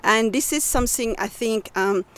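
A woman's voice: fairly high pitch, normal speed, a bit bright. A woman, a community radio co-founder speaking reflectively in a casual interview, often restarting as she searches for words. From Sudan.

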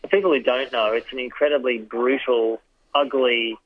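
A man in his fifties answers interview questions in a thoughtful way, speaking in short phrases with pauses. His voice sits at a middle pitch and comes through a tinny phone line. The sound is dry, with no room echo. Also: steady tone. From Australia. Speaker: guest, journalist and author.

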